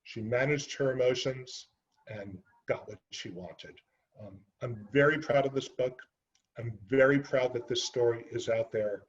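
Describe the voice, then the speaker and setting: A man's voice: mid-range voice, a little slow, highs cut off. A man giving an author talk, speaking earnestly and unhurriedly about his book, with frequent ums and uhs. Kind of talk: library author presentation.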